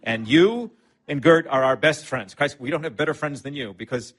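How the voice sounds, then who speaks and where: An actor playing a hot-tempered middle-aged husband on vacation, biting and sarcastic, flaring into shouting. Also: male voice, on the high side, normal speed. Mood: strained. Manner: flares into shouting. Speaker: hotel guest on vacation. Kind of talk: comic film acting.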